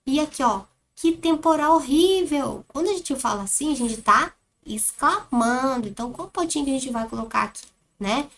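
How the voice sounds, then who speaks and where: A woman teacher with a Brazilian Portuguese accent, giving a children's lesson and reading aloud with exaggerated, expressive intonation. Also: on the high side, fairly quick, slight background noise. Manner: animated, exaggerates exclamations and questions for children. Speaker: primary school teacher.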